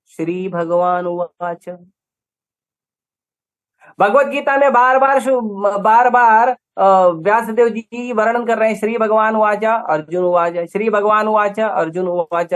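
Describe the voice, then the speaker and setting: A man's voice: sits high, a little slow. A man with an Indian accent giving a scripture lecture, emphatic, with rhetorical questions and repeated lists. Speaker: preacher.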